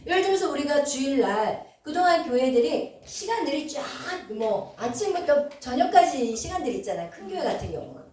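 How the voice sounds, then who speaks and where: A woman pastor teaching a Bible passage to her congregation, explaining as she goes with frequent pauses and fillers. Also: sits high, sing-song, darkish tone. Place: church sanctuary. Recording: very echoey hall, voice from far off.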